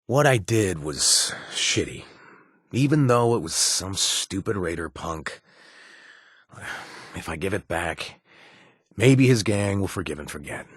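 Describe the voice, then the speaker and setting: An actor playing a wry, self-deprecating former raider turned bartender in a video game, halting with fillers in a husky voice. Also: male voice, low-pitched, expressive, no room sound, studio quality, full character voice. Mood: easygoing, wry. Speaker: game companion character. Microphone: studio mic.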